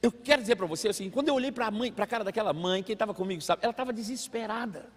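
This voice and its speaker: High-voiced pastor preaching in a reverberant hall. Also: male voice, racing. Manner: animated storytelling, acts out voices. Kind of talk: sermon.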